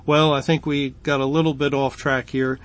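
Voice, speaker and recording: A middle-aged man teaching through Bible verses in an unhurried, halting way, often restarting words and pausing with fillers. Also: mid-range voice, level tone. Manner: slow, halting delivery with frequent restarts and fillers.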